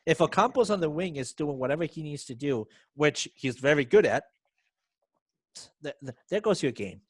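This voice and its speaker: A man's voice: a little high, lively intonation, normal speed, breathy edge, dry recording. A man co-hosting a podcast, giving confident, opinionated football predictions. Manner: assertive, opinionated. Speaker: podcast co-host. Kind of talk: casual sports chat.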